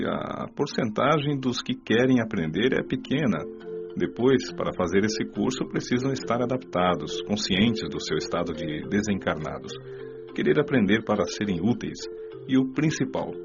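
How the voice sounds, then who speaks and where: A man with a Brazilian accent playing a kindly, instructive spirit mentor in an audio drama, explaining in measured phrases. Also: fairly low pitch, highs cut off. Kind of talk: audiobook radio drama dialogue.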